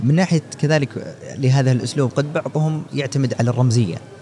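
Noticeable background noise sits under the voice. The pace is moderate. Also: man. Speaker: podcast host. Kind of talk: interview. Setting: book fair.

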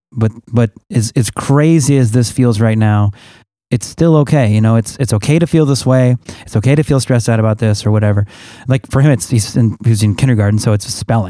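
A man's medium-pitched voice with an American accent and a dark, mellow tone, at a fairly quick pace with ordinary pitch variation and very even loudness, in a very clean recording with a silent background and a dry, close sound with no echo. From US Pacific Northwest (Seattle area). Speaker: parenting podcaster, father. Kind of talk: casual chat. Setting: in-person studio.

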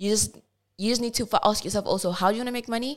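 The speaker is a woman with an animated tone. Her recording is very clean, and the background is silent. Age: 20s. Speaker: student entrepreneur. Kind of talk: casual chat. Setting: her apartment.

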